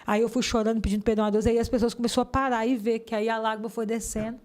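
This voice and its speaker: A woman's voice: a little high, little pitch movement, very fast, darkish tone. A woman giving a fervent religious testimony in an interview, sometimes acting out the voices of people in her story.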